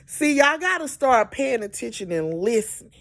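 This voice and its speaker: A woman's voice: on the high side, big pitch swings, normal speed, a bit bright. A woman giving a casual weather update, exasperated and emphatic, repeating words for stress. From Georgia, US. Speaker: amateur weather commentator.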